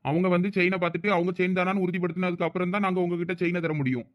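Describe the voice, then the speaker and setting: A man's voice: sits high, steady tone, rapid-fire, close to an everyday voice. A man voicing a strict, sceptical police officer in a cartoon, official and questioning, with a Tamil accent. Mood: officious. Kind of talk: cartoon drama dialogue.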